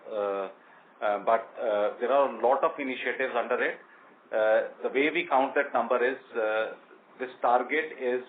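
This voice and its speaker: A man with an Indian accent answering questions as a company executive on an earnings conference call, explaining in a measured, halting way. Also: mid-range voice. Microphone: conference call line. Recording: tinny conference phone line with noise.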